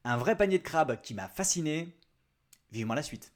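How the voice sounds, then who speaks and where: A man's voice: on the high side, expressive, moderate pace. Chatty French book vlogger, man. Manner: chatty, self-mocking asides. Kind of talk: casual book review vlog.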